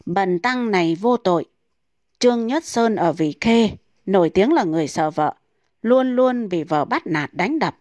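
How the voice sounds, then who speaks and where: A woman reading comic folk tales aloud in a brisk, steady storytelling manner. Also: mid-range voice, no room sound.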